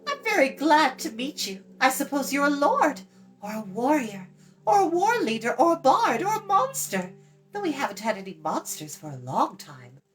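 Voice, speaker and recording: A woman's voice: high voice, very animated, normal speed, soft background music, voice pushed up. A woman voicing a chatty, blunt young girl in a fantasy storybook, in a light, musical voice with a breezy manner. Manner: breezy, talkative, matter-of-fact. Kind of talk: children's fantasy storybook reading.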